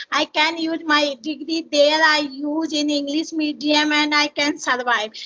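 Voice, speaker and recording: A woman speaks in a raised, projected voice with a high pitch and a bright, sharp tone. Her pace is fairly slow, and the sound is dry and close with no echo. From North India, Uttar Pradesh. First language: Hindi. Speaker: teacher and English learner. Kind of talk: English conversation practice. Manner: halting.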